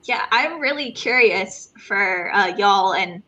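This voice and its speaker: A woman's voice: medium pitch, lively intonation, slow, sharp tone, lo-fi sound. A woman moderating a casual panel, putting informal questions to the group. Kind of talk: casual chat, posing questions.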